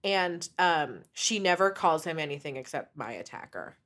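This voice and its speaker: A young woman co-hosting a casual podcast, telling a story with lots of swearing and lively asides. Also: on the low side, normal speed. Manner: animated storytelling, frequent swearing. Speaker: podcast co-host. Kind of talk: casual true crime podcast chat.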